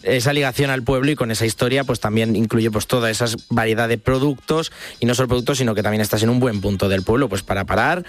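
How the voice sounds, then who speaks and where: A man's voice: mid-range voice, quick pace. A young man from Spain, co-hosting a radio show, chatty and laughing often as he reads listener messages. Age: young adult. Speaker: radio co-host.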